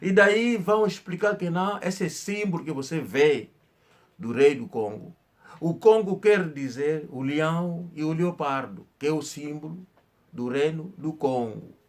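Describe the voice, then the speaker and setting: Um homem que conta história num tom informal, falando de forma enfática, com repetições e hesitações. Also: male voice, on the high side, expressive. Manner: slow, emphatic storytelling with hesitations and repetitions. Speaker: channel host. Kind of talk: informal history talk.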